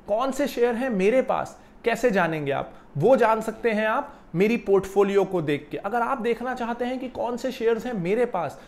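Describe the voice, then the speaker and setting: Young man explaining finance to camera. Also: sits high. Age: young adult. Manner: animated, gestures while explaining. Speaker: finance educator. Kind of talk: explanatory video lesson to camera. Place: small office room, seated. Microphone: lapel mic.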